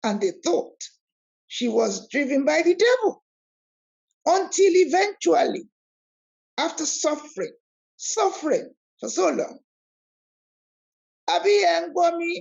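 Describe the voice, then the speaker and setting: A woman's voice: very high voice, sing-song, measured pace, gravelly, long pauses, darkish tone, muffled recording. A woman hosting an online spiritual talk, emphatic and preacherly, repeating key words over a video call. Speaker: host of an online spiritual discussion. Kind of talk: animated talk, switching between English and Yoruba.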